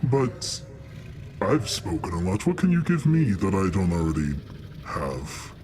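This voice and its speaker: Man voicing a deep, condescending black dragon. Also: big pitch swings, a little slow, darkish tone, faint music behind. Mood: sly, bargaining. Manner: condescending, drawling, bargaining. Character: proud, sly young black dragon, scornful of mortals.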